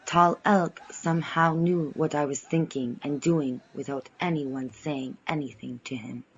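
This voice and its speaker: A man voicing a curious, gentle young woman who narrates an audio drama in measured, formal phrases. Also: a little high, muffled recording, slight background noise. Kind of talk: first-person audio drama storytelling.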